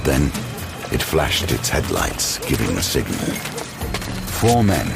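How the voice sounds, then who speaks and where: A man narrating an action thriller audio drama in a scripted, dramatic style with measured pauses. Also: very deep voice, huge pitch swings, creaky. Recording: loud music bed. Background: loud dramatic music.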